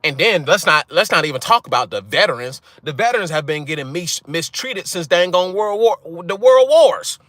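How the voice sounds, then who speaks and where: A man's voice: high voice, lively intonation, normal speed, few pauses, fairly bright tone, dry recording. A young man, talking straight to his viewers in a casual monologue. He is blunt and profane, and he keeps asking "right?" to drive his points home. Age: young adult. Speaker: channel host.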